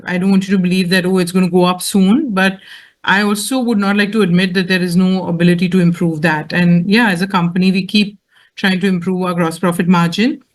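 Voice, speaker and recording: A company executive with a measured, explanatory way of talking, answering questions on an earnings call. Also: mid-range voice.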